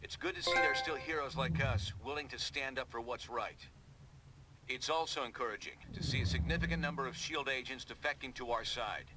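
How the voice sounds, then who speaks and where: A man's voice: medium pitch, brisk, music in the background, close to an everyday voice, rough recording. A man voicing a noble, steadfast resistance commander in a video game, earnest and rallying. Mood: earnest, resolute. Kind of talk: video game cutscene dialogue. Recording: steady noise behind the voice.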